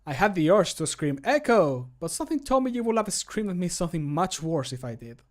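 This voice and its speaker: A man voicing an excitable male adventurer in video game lines, with an eager manner. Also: high voice, a little fast, pitched above the performer's own voice. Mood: dry, teasing. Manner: eager, gushing. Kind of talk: video game voice line acting.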